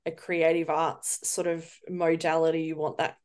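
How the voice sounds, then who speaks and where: A woman's voice: deep voice, flat delivery, moderate pace, a little mellow, clean tone. A woman with an Australian accent hosting a therapy podcast, bubbly and laughing often. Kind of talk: scripted intro then casual chat. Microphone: video call.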